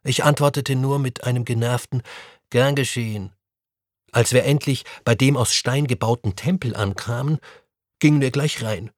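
A man reading a first-person adventure story aloud, with an animated, expressive delivery. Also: medium pitch, moderate pace, no echo, studio quality. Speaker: story reader.

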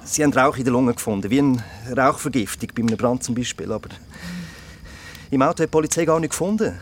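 A young man with a Swiss German accent playing an edgy, defensive young man in a radio play, snapping and then halting. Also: mid-range voice, animated, slight background noise, lightly acted. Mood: shaken. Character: stressed young man Phil, jumpy and defensive. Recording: music bed underneath.

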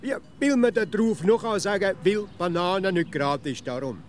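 A man's voice: sits high, normal speed, slight background noise, close to an everyday voice. An actor with a Swiss accent playing a grumpy, impatient man in a children's radio play, grumbling and sarcastic. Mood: exasperated. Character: grumpy, impatient know-it-all grown man.

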